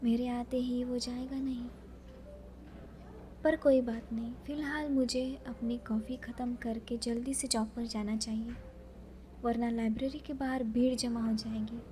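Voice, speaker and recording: A woman playing a chatty, dreamy young librarian who is easily flustered, musing softly to herself in an audio romance drama. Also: on the high side, steady tone, unhurried, a little hiss or hum, natural voice.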